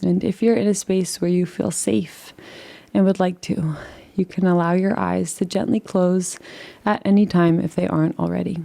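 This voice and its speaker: A woman leading a guided relaxation meditation in a soothing, unhurried, gently instructive way. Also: fairly low pitch, fairly even intonation, creaky.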